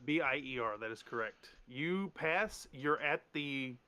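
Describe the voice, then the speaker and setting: A man's voice: medium pitch, expressive, unhurried, pushed and bright, clear, resonant tone. A man running a tabletop game as game master, rambling with restarts and fillers.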